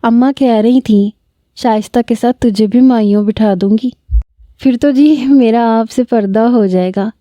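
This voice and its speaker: A woman reading a story aloud, voicing a young village bride-to-be who talks in a thin, high voice with a Punjabi lilt. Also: warm tone, dry recording, close to an everyday voice. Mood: coy.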